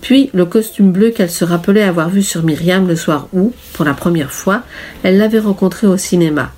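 Woman narrating a story, measured. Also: fairly low pitch, darkish tone, a little hiss or hum. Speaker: audiobook narrator.

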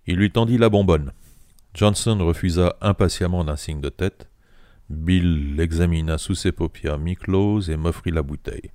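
Male narrator, audiobook, deep voice, dark tone, measured, dry close mic. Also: no room sound.

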